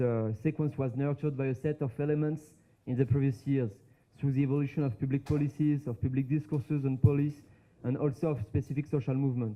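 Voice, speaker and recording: A man with a French accent and a fairly high pitch speaks at a fairly quick pace. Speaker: PhD student researcher. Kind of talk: conference presentation. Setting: conference with audience. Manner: halting, many hesitations.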